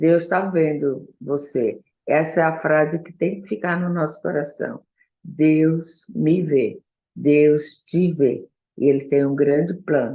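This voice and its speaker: Very slow and fairly even in intonation, a woman's voice carries a dark, mellow tone. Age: 60s. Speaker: Bible study participant. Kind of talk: Bible study group discussion.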